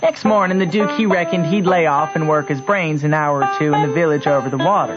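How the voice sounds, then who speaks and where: A man's voice: a little high, fairly quick, loud music behind the voice, close to an everyday voice. An actor playing a wry, plain-spoken country boy who narrates his adventures in folksy dialect for a radio drama. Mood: dry, observant. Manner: folksy ungrammatical drawl, matter-of-fact. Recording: muffled old radio recording.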